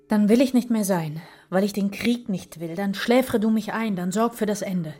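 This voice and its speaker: An actress as an anguished woman, husky and faltering. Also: medium pitch, normal speed, mellow, lightly acted. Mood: desperate. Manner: faltering, imploring. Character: anguished, sleepless woman writer pleading for peace. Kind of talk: radio drama dialogue.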